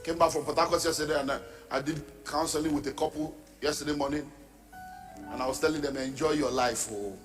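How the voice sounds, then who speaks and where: A middle-aged man, preaching a sermon as a pastor, forceful and rising to shouts. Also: fairly high pitch, little pitch movement, quick pace. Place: church or large hall. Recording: reverberant hall with background music.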